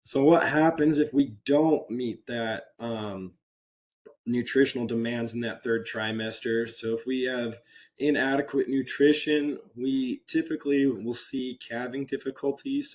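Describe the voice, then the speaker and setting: A man with a voice still hoarse from a cold, giving a webinar presentation over a computer microphone in a relaxed, unpolished way with frequent ums and uhs. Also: mid-range voice, unhurried. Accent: American. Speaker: extension presenter. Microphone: computer microphone on a video call.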